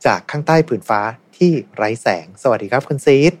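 A man's voice: mid-range voice, brisk. Man hosting a chatty podcast. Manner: friendly, brief backchannel replies. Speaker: host. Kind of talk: casual podcast chat.

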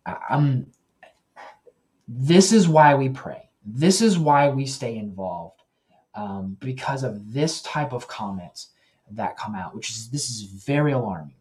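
A man hosting a Christian news commentary show, talking earnestly and directly to his listeners, often pausing and correcting himself. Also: medium pitch, lively intonation, a little mellow. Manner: earnest, with self-corrections and pauses.

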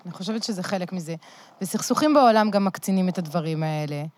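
A woman's voice: lowish voice, darkish tone, no room sound. A middle-aged woman from France with a French accent in Hebrew, chatting reflectively as an interview guest. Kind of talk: casual reflective conversation.

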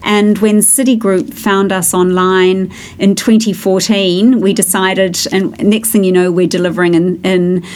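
A middle-aged woman with a New Zealand accent, interviewed about her company, chatty and quick to laugh, with lots of fillers. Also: mid-range voice, little pitch movement. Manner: chatty, warm, laughs often, many fillers. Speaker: company founder being interviewed. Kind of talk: business interview.

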